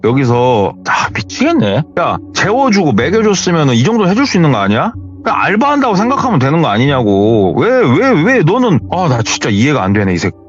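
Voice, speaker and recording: A man voicing a bossy, hot-tempered middle-aged uncle who scolds in a raised, pitched-up voice. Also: lively intonation, fairly quick, few pauses, highs cut off, soft background music, lightly acted. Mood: angry scolding.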